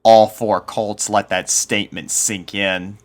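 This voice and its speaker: A man reading a scripted spooky story aloud as narrator, with a measured, suspenseful storytelling delivery. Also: fairly low pitch, flat delivery. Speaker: fan fiction narrator.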